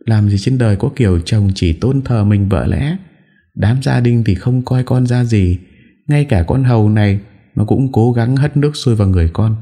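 A man's voice: very deep voice, expressive, measured pace, vocal fry, dark tone, exaggerated voice. A man voicing a scheming young wife who whines through sobs in a storybook reading. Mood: tearful whining. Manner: whiny, sobbing complaint.

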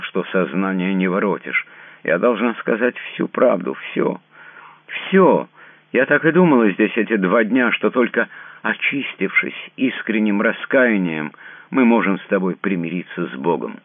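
A man puts on a desperate young princess in a cell, her pleading voice lifting above his own. It comes through a tinny, narrow, dry old radio broadcast. A gravelly rasp stays under every line. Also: very deep voice, steady tone, fairly quick, no echo. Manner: emotional, rising to near shouts.

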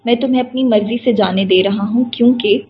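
A composed, calculating older king speaks gently and with regret in a storybook , voiced by a woman reader. The voice is a little high, and the recording is slightly dull with faint hiss. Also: lightly acted. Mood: calm. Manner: calm, regretful. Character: calm, scheming older man, a king.

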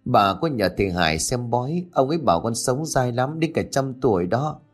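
A man voicing a humble, grieving old grandmother in a spoken ghost story, talking in a gentle, coaxing way. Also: medium pitch, lively intonation, normal speed, soft background music, voice pushed up, lightly acted. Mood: tender, coaxing.

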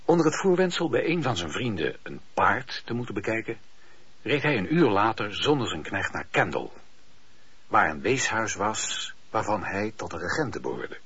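A man narrating a radio drama as a scripted, literary story in a measured storytelling manner. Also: on the low side, sing-song, fairly bright tone, slightly rough, no room sound. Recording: dull radio recording.

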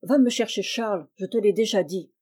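A woman's voice: brisk, a little mellow, husky, natural voice. A woman voicing a spiteful old miser lady. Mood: haughty. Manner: scolding, shrill when angry.

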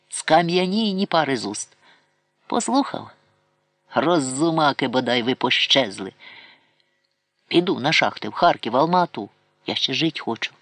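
A man voicing a bitter young mother of twenty-five who scolds her family loudly and scornfully. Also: mid-range voice, no room sound. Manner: scornful, shouting, defiant.

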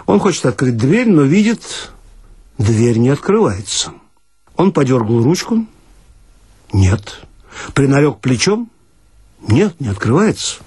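A man's voice: medium pitch, sing-song, takes it slowly, long pauses, a little mellow, breathy edge, no room sound. A man reading a comic story aloud with ironic, mock-serious narration. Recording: dry archival radio recording.

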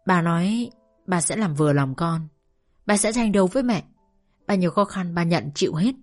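A woman voicing a gentle grieving father. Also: fairly low pitch, lively intonation, moderate pace, faint music behind. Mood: sorrowful. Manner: soft, pleading, sighing. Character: gentle sorrowful father, older man.

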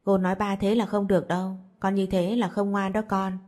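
A woman's voice: mid-range voice, level tone, fairly quick, darkish tone, natural voice. Woman as a kind, coaxing young woman. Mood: caring.

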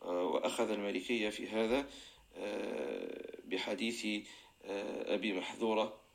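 A man teaching Islamic jurisprudence as a sheikh, explaining a verse text and chanting the phrases of the call to prayer, with frequent drawn-out fillers. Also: fairly low pitch, vocal fry.

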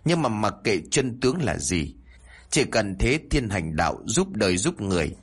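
A man voicing a kindly older male exorcist who calmly explains things to a girl. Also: fairly low pitch, normal speed, breathy edge. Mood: earnest.

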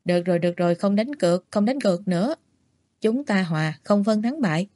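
A woman's voice: mid-range voice, a little fast, darkish tone, no room sound, natural voice. Woman voicing a teasing, pushy young man. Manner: coaxing, lightly mocking.

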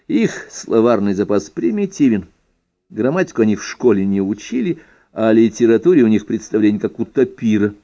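A man reads a witty essay aloud in a mellow, darkish voice. His pitch rises and falls freely as he leans on the ironic turns. The recording sounds a bit dull and lo-fi. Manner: expressive, ironic, lively emphasis. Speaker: reader. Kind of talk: reading an ironic first-person essay aloud.

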